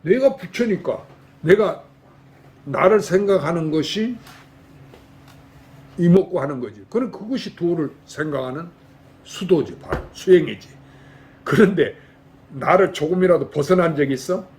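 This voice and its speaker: A man's voice: fairly high pitch, lively intonation, a little slow, pauses often, darkish tone, a little hiss or hum. Older monk quizzing his listeners. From Jeolla, South Korea. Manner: folksy, keeps quizzing the audience with rhetorical questions. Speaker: Buddhist monk. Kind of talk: Dharma talk sermon. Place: temple Zen hall with lay audience.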